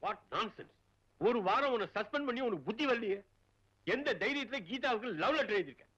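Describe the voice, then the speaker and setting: A man's voice: extremely high pitch, expressive, fairly quick, pushed and bright, exaggerated voice. An actor playing a stern middle-aged male college principal who scolds sharply. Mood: angry. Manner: scolding, then formal reading aloud. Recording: dry, dull old film audio, set back.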